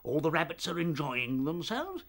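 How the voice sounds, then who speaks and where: Radio play's elderly rabbit ruler. Doddery, self-important, throat-clearing, extremely animated intonation. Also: male voice, on the high side, normal speed, full character voice. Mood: dismissive, dithering. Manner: hesitant, blustering, throat-clearing. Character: doddering, pompous old male chief rabbit. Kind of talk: radio drama acting.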